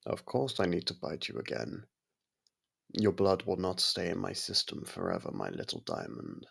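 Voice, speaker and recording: A man voicing a courteous, possessive vampire lord in an ASMR roleplay, speaking formally with a gravelly, husky voice and a softly commanding manner. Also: low-pitched, full character voice. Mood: intrigued, possessive. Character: courteous, possessive vampire manor lord softening toward a human.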